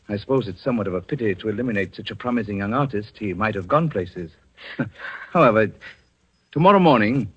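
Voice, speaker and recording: An actor playing a cold, scheming husband in a 1940s radio drama, speaking in a menacing, commanding way. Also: male voice, medium pitch, slightly rough. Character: scheming cold husband, middle-aged man. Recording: dull old radio broadcast.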